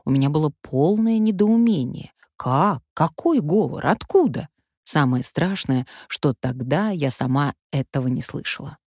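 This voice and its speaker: An older woman from Siberia, a stage actress, telling stories from her own life in a wry, lively anecdotal way. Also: deep voice, a little slow, breathy edge, dry recording, studio quality. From Omsk, Siberia, Russia. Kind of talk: memoir storytelling.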